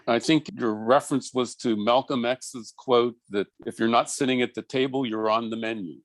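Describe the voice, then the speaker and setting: A man's voice: mid-range voice, fairly even intonation, moderate pace, dry recording. A man moderating a panel, brief and polite as he passes questions to the guests.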